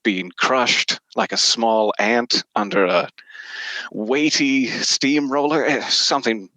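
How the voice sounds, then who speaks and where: Bright, crisp-toned man chatting as podcast guest. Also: medium pitch, takes it slowly, no echo, rough recording. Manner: self-deprecating, wry humour. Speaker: interview guest, podcast narrator. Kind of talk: casual interview chat, telling anecdotes.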